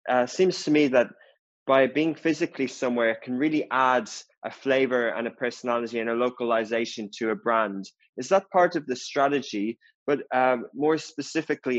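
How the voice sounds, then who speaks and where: A man's voice: medium pitch, dry recording. A male interviewer asks long, layered questions in a business interview. The recording is dry and a little dull, with a mid-range voice. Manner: long multi-part questions, brief affirmations.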